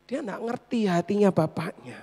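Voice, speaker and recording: A woman's voice: medium pitch, moderate pace, dark tone, breathy edge, long reverb tail. A woman preacher delivering a sermon in a conversational style, addressing the congregation directly.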